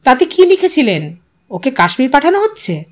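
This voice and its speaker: A woman plays a pushy TV newsman in an audio story. The voice is high and lively, with polished, insistent questioning. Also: normal speed. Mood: probing, insistent. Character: brisk, pushy male television news reporter.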